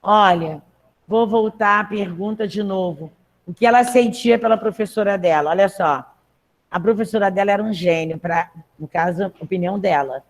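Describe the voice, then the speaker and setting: A woman's voice: mid-range voice, moderate pace. A woman teaching a Portuguese class, reading a text aloud and patiently explaining spelling rules to her students. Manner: patient, checks in with frequent "tá?". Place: classroom with students in the room and at home.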